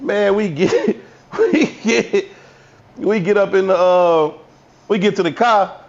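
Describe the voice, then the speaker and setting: A man co-hosting a podcast, telling a profane, animated story from his youth with voiced quotes in casual chat. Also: high voice, slow, muffled recording. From Chicago South Side. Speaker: podcast co-host.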